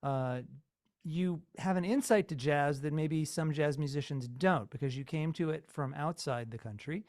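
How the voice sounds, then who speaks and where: A man interviews a guest, asking measured questions and warmly affirming what he hears. His voice sits a little higher than most men's. The sound is dry and close, with no echo. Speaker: interviewer host.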